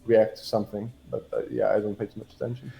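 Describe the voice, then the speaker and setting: A man from Portugal chatting casually as a livestream guest, halting and rambling but blunt in how he talks. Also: on the low side, little pitch movement, vocal fry, warm tone, poor audio.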